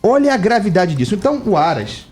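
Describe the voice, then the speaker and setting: A Brazilian man delivering live radio commentary in a fairly high voice. He speaks with emphatic indignation, and his voice jumps up on key points. Faint music plays under him. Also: fast. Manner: emphatic, indignant, animated pitch rises. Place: radio studio.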